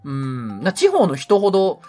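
A man's voice: a little high, measured pace, faint music behind. A middle-aged man with a Kansai accent, hosting a casual talk show, reading listener mail and joking to himself. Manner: joking, animated, talks to himself. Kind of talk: casual radio chat.

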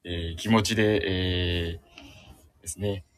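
A man's voice: low-pitched, fairly even intonation, slow pace. A man speaking as a guest in a casual chat, explaining his picks while searching for words. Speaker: radio show guest.

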